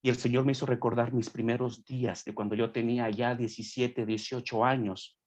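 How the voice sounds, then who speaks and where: A man's voice: mid-range voice, little pitch movement, fairly quick, a little mellow. A young man speaking as a guest on a podcast, preaching earnestly and acting out quoted voices as he explains a point.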